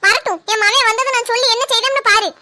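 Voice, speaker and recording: A woman acting a sharp-tongued mother-in-law in a comic family skit. She mocks and scolds, and sometimes wails in self-pity. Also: extremely high pitch, steady tone, fast, exaggerated voice. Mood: scolding.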